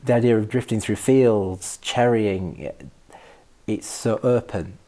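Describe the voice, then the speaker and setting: A man speaking as a podcast guest in reflective personal conversation, thoughtful and halting as he searches for words. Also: lowish voice, steady tone, mellow. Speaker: podcast guest discussing a favourite poem.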